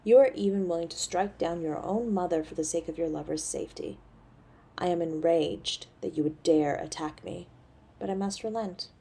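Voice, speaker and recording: A woman playing a haughty, cold succubus mother in an audio drama, speaking formally and with disdain in a husky, creaky voice. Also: on the low side, normal speed, mellow. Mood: stern, grudging. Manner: imperious, formal, disdainful of mortals. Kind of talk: audio roleplay drama acting.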